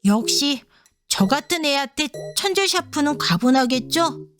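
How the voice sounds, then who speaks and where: A woman's voice: high voice, expressive, a little slow, voice pushed up. A woman voicing a timid, gloomy schoolchild with little confidence in a children's storybook, hesitant and self-doubting. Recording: echoey reverb with children's music behind.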